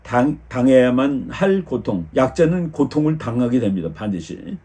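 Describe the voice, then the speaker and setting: An older man giving a measured lecture on international politics as the channel's host, explaining step by step with frequent small fillers and restarts. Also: medium pitch, very animated, mellow, slightly rough.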